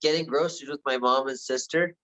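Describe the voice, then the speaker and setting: A man's voice: mid-range voice, fairly even intonation, brisk, bright, forceful tone, lightly acted. A man playing a nerdy, bossy teenage boy who leads a band, in a table read of a film script. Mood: casual. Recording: dull lo-fi call audio.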